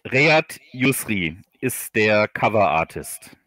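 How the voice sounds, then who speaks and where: A man in an unscripted interview, speaking haltingly and often repeating words as he looks for phrasing. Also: lowish voice, big pitch swings, bright, forceful tone, no room sound. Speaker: author being interviewed on a livestream.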